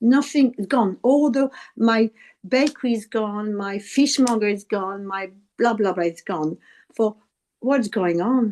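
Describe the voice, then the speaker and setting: With a French accent, a woman speaks fairly slowly at a fairly high pitch. Her pitch varies in an ordinary way against a quiet background. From France. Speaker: audience member. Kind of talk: audience question. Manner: animated.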